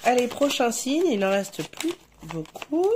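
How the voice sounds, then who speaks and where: A woman's voice: on the high side, very animated, slight background noise. A French woman with a cold and a stuffy nose, giving a casual tarot reading, hesitant with many fillers. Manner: slow, hesitant, many fillers, addresses viewers warmly as her "essentiels". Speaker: tarot reader. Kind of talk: casual tarot guidance vlog.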